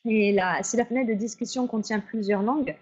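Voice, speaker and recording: A woman's voice: a little high, fairly quick, darkish tone, slightly rough. A woman facilitating an online webinar, going through the rules in an orderly way with frequent fillers. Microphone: video call. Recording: lo-fi webinar audio.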